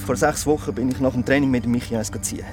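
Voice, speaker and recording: A young man with a Swiss German accent playing an edgy, defensive young man in a radio play, snapping and then halting. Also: mid-range voice, steady tone, lightly acted. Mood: curious. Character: stressed young man Phil, jumpy and defensive. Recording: music bed underneath.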